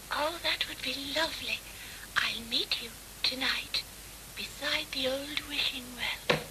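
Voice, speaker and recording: A woman whispers in a put-on character voice at a fairly slow pace, with long, frequent pauses and loud background noise. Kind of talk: pantomime heroine. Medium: old radio play. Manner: breathy, girlish.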